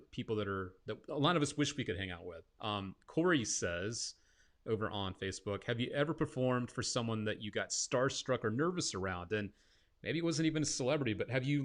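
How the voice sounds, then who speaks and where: A man hosting a casual interview, reading out viewer questions in a relaxed way. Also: mid-range voice. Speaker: interviewer host.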